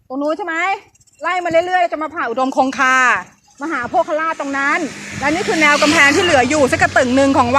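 A woman vlogger talking nonstop to her viewers outdoors by a busy road and raising her voice over the traffic. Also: sits high. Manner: chatty nonstop talker, addresses viewers directly; talks loudly over traffic. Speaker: vlogger and local history guide. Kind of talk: casual walking vlog narration. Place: outdoors beside a busy road by an old canal. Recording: loud traffic noise outdoors. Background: passing cars.

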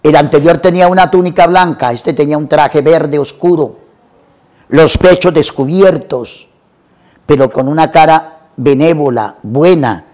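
A man retelling a classic novel for a literature program, in a measured way and lingering over lists. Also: fairly high pitch, darkish tone. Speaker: literature presenter.

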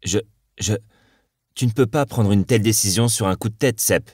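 A man reading the lines of a patient, loving young woman in an audiobook, in a soft, earnest way. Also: low voice, normal speed, no echo, clean studio sound, lightly acted. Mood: flustered.

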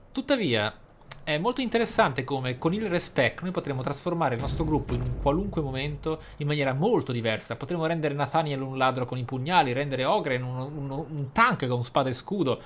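A man's voice: medium pitch, lively intonation, brisk, slight background noise. A man giving casual gameplay commentary in a theatrical way, with flowery wording and exclamations. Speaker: gaming video host. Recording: music behind the voice. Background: game music.

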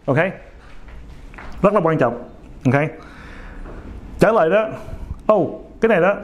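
Aiming at young viewers, a man gives a casual motivational talk in a high, animated voice. He speaks haltingly with many fillers, an imperfect accent and a frequent "ok?", and the sound is lo-fi.

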